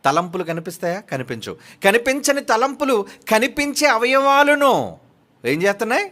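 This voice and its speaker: Animated, bright-voiced preacher man. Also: very high voice, normal speed. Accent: Telugu. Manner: questioning the audience and answering himself, emphatic. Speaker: pastor. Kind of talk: Telugu sermon.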